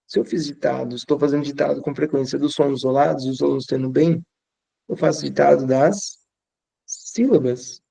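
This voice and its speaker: Gravelly-voiced male teacher giving tips. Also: mid-range voice, fairly even intonation, normal speed, dark tone, no echo. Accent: Brazilian Portuguese. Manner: conversational, repeats phrases for emphasis.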